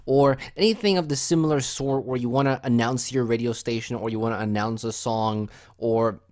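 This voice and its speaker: A man narrating a software tutorial in a casual, explanatory step-by-step way as its host. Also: mid-range voice, moderate pace.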